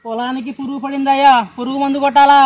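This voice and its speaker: A man playing a humble poor farmer who pleads softly and respectfully. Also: very high voice, flat delivery, fast, dry recording, lo-fi sound. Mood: pleading.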